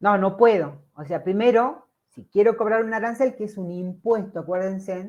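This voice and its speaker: A woman with a plain, everyday voice, medium pitch, ordinary pitch variation, big swings in loudness, and a fairly slow pace. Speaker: professor. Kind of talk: lecture.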